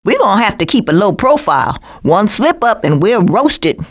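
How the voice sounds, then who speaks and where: A woman voicing a sassy, streetwise, sarcastic female skunk with slangy wisecracks in an animated video game. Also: mid-range voice, normal speed. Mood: dry, confident.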